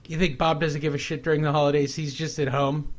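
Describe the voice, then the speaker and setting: A man's voice: on the high side, little pitch movement, fast talker. Wisecracking man hosting a podcast. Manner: rambling, wisecracking. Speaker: podcast host. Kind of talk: casual chat.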